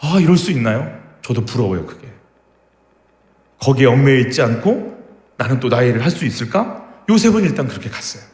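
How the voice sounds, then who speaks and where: A pastor preaches a sermon in a conversational style, fairly quick and very animated, putting questions to the congregation. He acts out quoted voices with sudden drops in pitch and volume. The church sanctuary is echoey, with long reverb.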